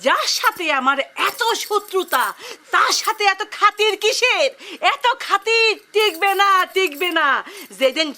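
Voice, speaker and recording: A shrill nagging village housewife. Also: female voice, animated, a little slow, full character voice. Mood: furious. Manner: scolding, sharp tongue, repeated questions. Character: shrill, nagging middle-aged village housewife, quick to rage. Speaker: mother and wife in a TV serial. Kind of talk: TV drama acting. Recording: background music under the dialogue. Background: music.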